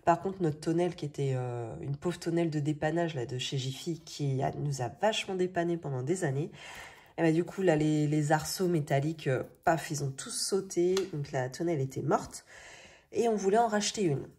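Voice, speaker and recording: A woman in her thirties with a French accent chats casually, thinking aloud in colloquial speech with a slightly rough morning voice. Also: low-pitched, normal speed, mellow. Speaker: budgeting video host. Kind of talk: casual chatty vlog narration. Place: indoors at a table. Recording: noisy home recording with clicks.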